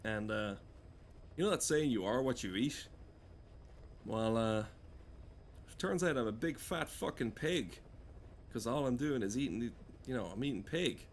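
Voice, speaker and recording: A man giving rambling, sweary comedic game commentary in a halting, deadpan way. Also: medium pitch, a little hiss or hum. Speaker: gameplay streamer.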